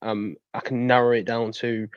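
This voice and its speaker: A man's voice: mid-range voice, flat delivery, moderate pace, smooth, no echo. A man, chatting casually as a fan guest on a podcast. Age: 20s. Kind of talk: casual interview chat. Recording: dull, dry lo-fi microphone.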